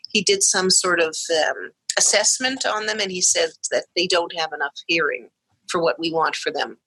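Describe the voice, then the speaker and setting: A woman speaking English as her first language, telling her family's story in a lively way as a guest on a podcast interview. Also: lowish voice, slightly rough, no room sound, rough recording. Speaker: guest, mother of deaf twins.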